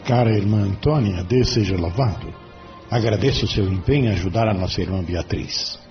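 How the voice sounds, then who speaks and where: An actor playing a gentle, devout male spirit mentor who speaks solemnly and reverently. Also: on the low side, a little fast, faint music behind, lightly acted. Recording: dull lo-fi radio recording.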